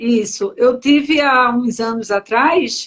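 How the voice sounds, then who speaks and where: In a strong Pernambuco accent, a woman speaks in a high voice with ordinary pitch variation. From Pernambuco, Brazil (Recife). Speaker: entrepreneur. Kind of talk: interview.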